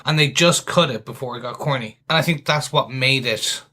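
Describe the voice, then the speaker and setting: A man with a bright, forceful voice co-hosts a casual podcast review. He speaks earnestly and keeps restarting his sentences. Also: mid-range voice, a little fast. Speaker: podcast co-host.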